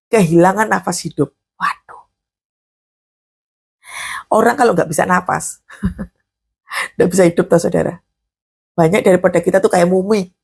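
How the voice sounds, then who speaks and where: A woman's voice: on the low side, fairly even intonation, normal speed, creaky, long pauses, a little mellow, husky. A woman preacher and counselor with a Javanese-inflected accent, giving a morning devotional sermon in a conversational way, asking questions and answering them herself. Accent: Javanese-inflected Indonesian.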